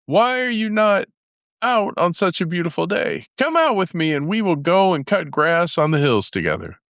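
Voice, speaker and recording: A man voicing a sly, vengeful storybook rabbit who talks in a falsely friendly, smooth way. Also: sits high, big pitch swings, normal speed, fairly bright tone, dry recording, clean studio sound, pitched above the performer's own voice, exaggerated voice. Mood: falsely cheery. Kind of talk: storybook character voice.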